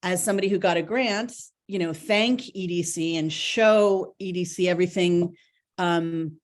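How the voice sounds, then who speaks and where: Over a video call, a woman presents a grant report to a board, her voice on the low side at a normal speed. She's chatty, with many ums and restarts.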